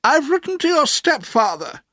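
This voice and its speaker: Narrator doing a stern old aunt, high and piercing, bossy, dry close sound. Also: very animated, normal speed, dry recording. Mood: firm, sharp. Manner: sharp and bossy, shouting when angry. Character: stern, cross elderly aunt, kind underneath. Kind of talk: storybook reading.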